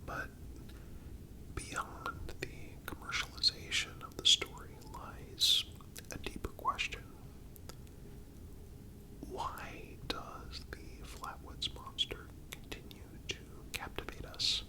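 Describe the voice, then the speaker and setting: A man narrating a scripted story for ASMR in a breathy, unvoiced whisper, deliberate and pausing between phrases.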